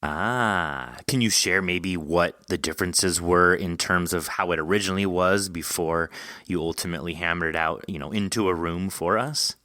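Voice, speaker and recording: Male interviewer, effusive and rambling, conversational, with a forceful, fairly low voice. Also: normal speed, no room sound, clean studio sound. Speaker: podcast host.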